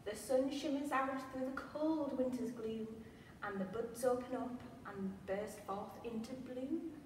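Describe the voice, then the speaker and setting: A woman voicing a busy flock of birds in a brisk, bright manner. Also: a little high, slight background noise, lightly acted. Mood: chirpy. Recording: echoey hall, from far off.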